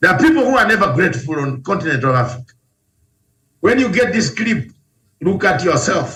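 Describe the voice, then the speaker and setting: With a Ugandan accent, a man talks at a high pitch and a fairly quick pace, using very wide pitch swings and long, frequent pauses. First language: not English. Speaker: TV show host, political commentator. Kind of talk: political monologue. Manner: animated.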